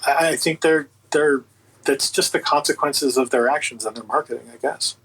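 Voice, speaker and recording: A man's voice: medium pitch, moderate pace, fairly bright tone, slightly rough, low-quality recording. A man speaking as an interview guest, chatting casually and giving his opinions in an emphatic, colloquial way. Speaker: interview guest, audio book producer.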